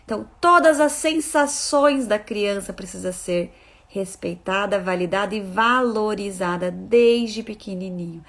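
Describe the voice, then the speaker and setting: A woman's voice: medium pitch, measured pace, a bit bright. A woman parenting educator giving a live talk to viewers, emphatic and repeating her key phrases as she speaks straight to her listeners.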